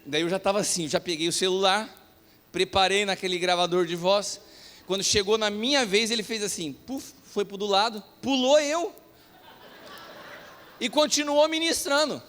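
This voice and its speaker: A Brazilian pastor preaching a sermon, telling a self-mocking story in an animated way. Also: male voice, high-pitched. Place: church hall. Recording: long reverb of a church hall.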